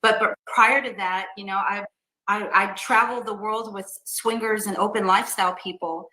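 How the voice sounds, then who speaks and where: A woman in her fifties speaks as a podcast guest, earnest and stumbling over her restarts as she explains herself. Her voice is bright and forward. The room around her gives back a noticeable echo. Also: medium pitch, steady tone, normal speed. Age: 50s. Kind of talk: casual interview answers.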